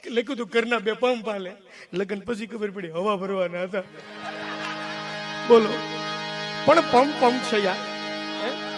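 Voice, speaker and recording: A man telling folk comedy stories on stage, quick and full of acted voices. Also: high-pitched, faint music behind. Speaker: stand-up comedian and mimic. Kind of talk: Gujarati folk comedy storytelling.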